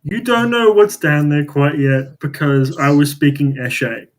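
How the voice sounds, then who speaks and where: Slow, hesitant game master man. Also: on the high side. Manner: unhurried, hesitant with fillers. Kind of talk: casual tabletop game chat.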